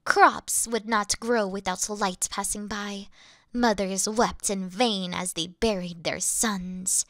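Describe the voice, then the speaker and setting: A woman's voice: medium pitch, steady tone, takes it slowly, a bit bright, dry recording. A woman voicing a devoted female demon servant who worships her mistress, fawning and flustered in a scripted audio roleplay. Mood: adoring.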